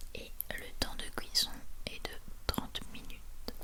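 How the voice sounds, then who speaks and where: Whispering, a woman speaks at a very slow pace. There is noticeable background noise. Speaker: ASMR creator. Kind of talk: ASMR whisper recipe talk. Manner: whispered.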